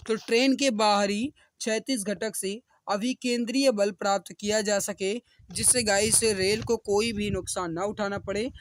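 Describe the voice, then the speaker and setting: A man with a high-pitched voice teaches an exam class in a dry, close recording. He works through questions step by step and speaks directly to his students as he gives each answer. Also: fairly bright tone, no room sound. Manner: instructional, often addressing listeners directly.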